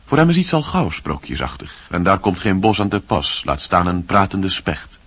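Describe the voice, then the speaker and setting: A man giving a scripted, literary introduction to a radio play as announcer, with a husky voice. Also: low-pitched, big pitch swings, moderate pace, a bit bright, no echo. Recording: dull, dry old radio recording.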